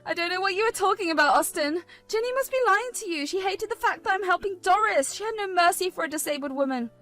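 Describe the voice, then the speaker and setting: A pushy, defiant young rival with a high, insistent voice, as a woman narrator puts her on. She presses her claims and begs by turns, always scheming. This is a spoken storybook voice with faint music behind it. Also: animated, fast, a bit bright. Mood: defensive.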